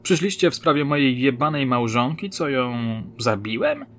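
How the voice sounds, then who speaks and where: A man's voice: mid-range voice, expressive, moderate pace, a bit bright, slight background noise. A man voicing a despairing, drunk bearded stage actor in his fifties, theatrical and self-pitying. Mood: miserable.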